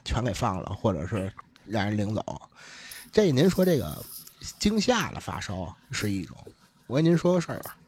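A man's voice: mid-range voice, a little mellow, husky, no echo. A man telling a ghost story from his own life in casual, earthy, joking talk. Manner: earthy, humorous, swears casually. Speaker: radio guest storyteller.

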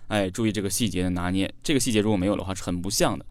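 In this vocal coaching lesson, a man with a low-sitting voice races through his explanation of singing technique, guiding learners line by line and leaning heavily on fillers. The recording is dry and studio quality.

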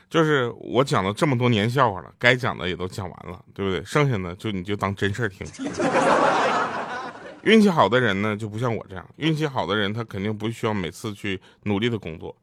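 A man doing a stand-up comedy set on stage, telling deadpan stories and acting out quotes. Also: lowish voice, a little fast, background noise. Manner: deadpan storytelling with acted quotes. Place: stage with live audience.

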